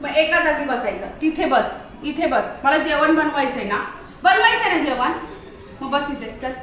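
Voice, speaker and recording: A woman's voice: high voice, normal speed, fairly bright tone. A woman vlogging at home in her kitchen, chatting away and alternately coaxing and scolding her dog. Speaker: vlogger and pet owner. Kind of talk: casual home vlog talking to her dog. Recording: very echoey room, voice from a distance, faint noise.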